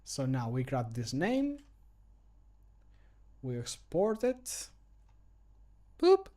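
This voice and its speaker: Recording mod voice lines from a room at home, a streamer in his thirties chats casually on his livestream, joking, swearing, and poking fun at himself. His medium-pitched voice is mellow and extremely slow, with pitch that swoops wildly.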